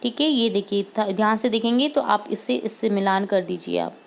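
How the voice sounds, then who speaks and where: A woman, a teacher going through worksheet answers, patiently repeating each answer slowly and mixing in English words. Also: medium pitch, gravelly.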